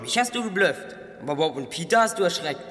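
A boy detective in a radio play. The voice is high and youthful, articulate and a little smug. A long cave-like reverb surrounds it. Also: lively intonation, fast, fairly bright tone. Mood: teasing. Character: confident, self-assured boy detective. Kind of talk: German audio drama acting.

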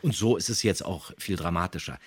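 A man's voice: low voice, brisk, husky. A man who hosts a podcast and voice acts, commenting casually and animatedly on audio dramas, with theatrically quoted lines. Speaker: podcast host and voice actor.

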